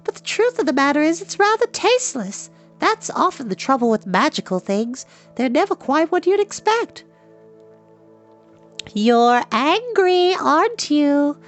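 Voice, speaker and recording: A man's voice: very high-pitched, big pitch swings, measured pace, a bit bright, faint music behind, pitched above the performer's own voice, heavily acted. A man voicing a spirited, talkative young girl who teases and scolds. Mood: teasing chatter.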